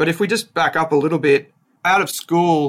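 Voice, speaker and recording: Speaking very fast, a man talks with an Australian accent. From Australia, Melbourne's outer east. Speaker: finance educator and business founder. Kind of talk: interview.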